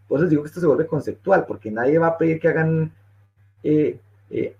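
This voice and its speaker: A male engineering instructor giving a technical webinar lecture, explaining step by step and checking in often with his listeners. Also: fairly high pitch. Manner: explanatory, checks in with frequent "¿listo?". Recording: muffled lo-fi webinar audio.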